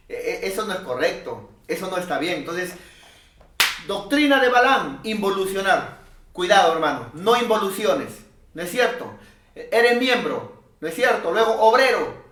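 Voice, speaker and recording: High-voiced preacher in an echoey room. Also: male voice. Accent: Peruvian Spanish. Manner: emphatic preaching, swings from loud calls to low asides. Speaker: pastor. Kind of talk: sermon.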